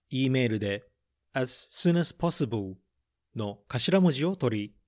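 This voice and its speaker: A man's voice: mid-range voice, a little mellow. A man reading a picture book aloud in English and Japanese, then explaining English phrases as a podcast host. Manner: slow, careful reading of English lines, then Japanese translation; plain explanatory teaching tone. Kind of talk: bilingual storybook reading and English lesson.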